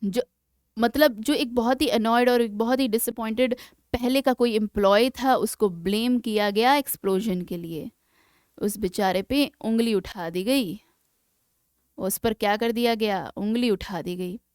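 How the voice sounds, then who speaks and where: A woman teaching English vocabulary for exam preparation, explaining in Hindi and reading English example sentences slowly and deliberately, often checking in with her students. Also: fairly high pitch, darkish tone, dry recording. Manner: keeps checking in with "है ना". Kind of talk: exam-prep vocabulary lesson.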